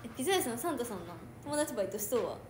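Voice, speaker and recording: A woman's voice: a little high, sing-song, rapid-fire. A woman with a Kansai accent chatting playfully and giggling on a casual livestream. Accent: Kansai Japanese. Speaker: idol livestream host. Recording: echoey room with faint noise.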